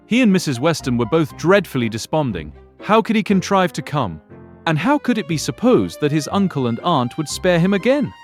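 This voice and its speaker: An effusive, swooping, higher-voiced gentleman. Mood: effusive, delighted. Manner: effusive, genteel, rambling. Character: cheerful, talkative older gentleman, proud sanguine father. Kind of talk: full-cast audiobook period drama acting.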